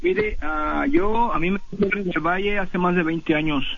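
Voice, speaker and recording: A man, a caller telling his own story on a radio call-in show, halting with many fillers and restarts. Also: sits high, animated, creaky, a bit bright, husky. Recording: tinny phone line.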